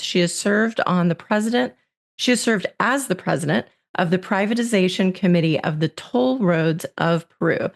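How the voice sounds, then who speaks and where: A woman hosting a business podcast, delivering an upbeat scripted intro and guest bio, then interviewing. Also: on the low side. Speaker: podcast host.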